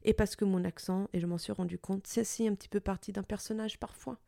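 Young woman, Italian-Portuguese accent, native Italian; warm, soft tone; hesitant, reflective podcast monologue; dry close mic. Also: medium pitch, fairly even intonation, gravelly, dry recording. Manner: thoughtful, hesitant, many pauses and restarts. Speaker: podcast host.

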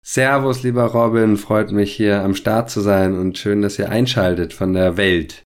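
A low-voiced man from Berlin talks as an interview guest. His delivery is reflective and unhurried, and he often pauses to search for words. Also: fairly even intonation. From Berlin, Germany. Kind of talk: casual conversational storytelling.

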